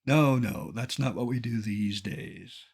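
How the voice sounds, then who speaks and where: Gravelly-voiced man in his seventies. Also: mid-range voice. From Colorado, United States. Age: 70s. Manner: dry, wry humor with measured delivery. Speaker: naturalist giving a public slide lecture. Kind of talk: illustrated lecture with storytelling.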